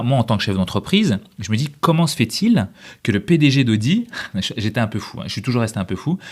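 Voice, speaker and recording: A man speaking conversationally as an interview guest, telling anecdotes and giving advice, often voicing the quotes. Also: medium pitch.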